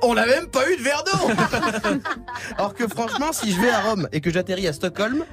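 A man with a high, bouncing voice delivers a comic radio news column, swinging his pitch all over as he jokes and chuckles at his own lines. Music plays under him in the studio. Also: moderate pace. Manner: jokey, laughing at his own gags, animated.

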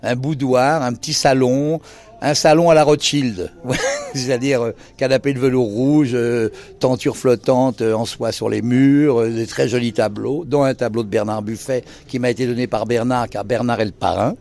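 An older man with a gravelly, creaky voice, recounting stories in a lively way and hesitating often. His tone sits at an ordinary middle pitch. He speaks indoors in a small bar lounge. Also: moderate pace. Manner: animated, acts out quoted dialogue, many hesitations. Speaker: bar owner. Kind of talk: casual anecdotal storytelling.

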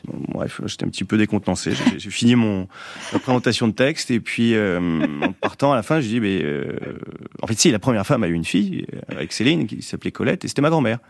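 Radio guest, man with a deep gravelly voice, halting, dry studio sound. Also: expressive, dry recording. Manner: hesitant, many fillers and restarts. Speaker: guest, descendant of a writer. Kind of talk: radio interview answers.

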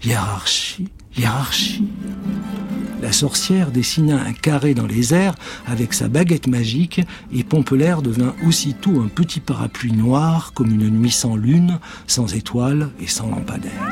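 A man reading a children's story aloud in a lively, expressive way. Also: medium pitch. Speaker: storybook reader.

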